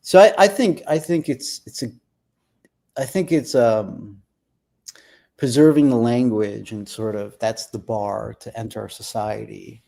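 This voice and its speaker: A man's voice: medium pitch, measured pace, creaky, mellow. An American man talking as an interview guest, thinking aloud and often repeating words as he forms his ideas. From United States. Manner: thoughtful, repeats words while forming ideas. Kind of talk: casual conversation.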